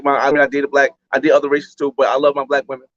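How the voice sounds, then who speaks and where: A man's voice: mid-range voice, monotone, rapid-fire, dry recording, dull audio. A man from the United States, a travel vlogger, telling a story in a rambling, slangy way on a livestream and repeating his phrases.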